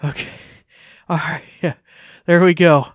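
A man's voice: on the high side, fairly even intonation, unhurried, dry recording, clean studio sound. A man giving a casual live tech demo, informal and hesitant, easily amused. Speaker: tech demonstrator.

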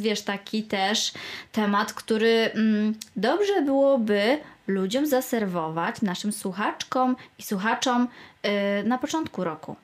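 A woman co-hosting a podcast in casual, playful chat, giggly and playfully theatrical. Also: mid-range voice. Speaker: podcast co-host.

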